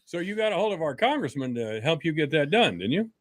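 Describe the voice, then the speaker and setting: An American man works as an interview host with a very animated pitch. His questions are casual and teasing, recorded dry with hardly any room sound. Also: quick pace, no echo. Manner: teasing, jokey.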